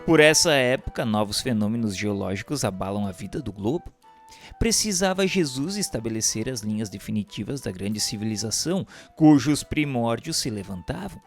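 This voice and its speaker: Man, Brazilian accent, mid-pitched voice, formal declamatory reading, scripted narrator, instrumental guitar music in the background. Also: lively intonation, moderate pace. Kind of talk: scripted narration, audiobook-like reading of a religious history text.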